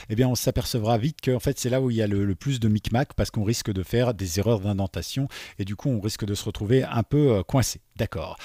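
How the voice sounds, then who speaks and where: A man's voice: mid-range voice, darkish tone, no echo, studio quality. A man teaching beginners to code, thinking aloud as he types and often checking in with "d'accord?". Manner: chatty, thinks aloud while typing, frequent "d'accord?". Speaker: coding instructor. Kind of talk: screen-recorded coding tutorial.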